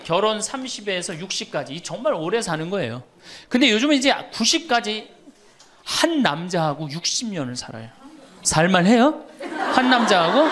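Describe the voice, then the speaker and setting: A man's voice: sits high, fairly bright tone. Middle-aged priest guy doing a funny talk, voice jumps all over, tells stories and teases the crowd. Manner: storytelling, quoting others, teasing the audience. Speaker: Catholic priest. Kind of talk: humorous lecture to an audience.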